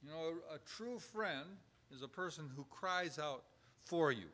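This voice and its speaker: A man with a somewhat high voice teaches in an easygoing, halting way. He stops and restarts his sentences and fills the gaps with "uh" and "you know." He walks a group through practical advice for caregivers. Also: expressive, a bit bright. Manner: unhurried, halting with many fillers, acts out sample dialogue. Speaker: church caregiving trainer. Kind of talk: conversational teaching talk.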